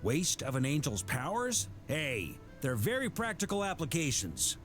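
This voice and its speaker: A middle-aged knight grandmaster from a fantasy video game, roguish and jovial. The delivery is hearty and conversational, swinging widely in pitch as if telling a tale. Soft music plays behind the voice. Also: male voice, huge pitch swings, moderate pace. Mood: playful. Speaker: game character giving voice lines. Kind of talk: scripted video game voice acting.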